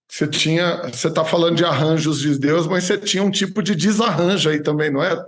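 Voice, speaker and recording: A man's voice: a little high, steady tone, quick pace. A man with a Brazilian accent hosting a podcast in a conversational way, chipping in to prompt his guest. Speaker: podcast host, pastor. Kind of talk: conversational interviewing.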